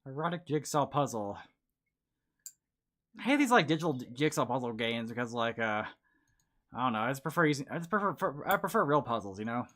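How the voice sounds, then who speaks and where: A stream host drifts through a relaxed chat, reading things aloud and trailing off mid-thought. The voice sits in a middling register, with clicking heard in the background. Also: medium pitch, brisk, long pauses. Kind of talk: casual chat.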